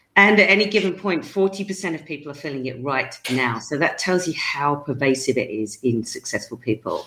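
A woman with a very deep, low pitch talks at a fairly quick pace, her pitch swinging very widely and hardly any pauses breaking her speech. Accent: English. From England. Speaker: life coach. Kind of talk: interview.

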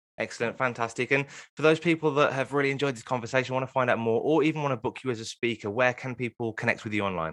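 A man at medium pitch with a West Midlands accent, very fast pace and ordinary pitch variation. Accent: Wolverhampton. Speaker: podcast host. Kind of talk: interview. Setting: video call.

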